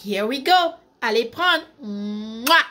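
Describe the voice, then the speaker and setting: A woman's voice: fairly high pitch, normal speed. A woman who runs a skincare brand, talking casually to camera, emphatic and repeating her key points, mixing in English words.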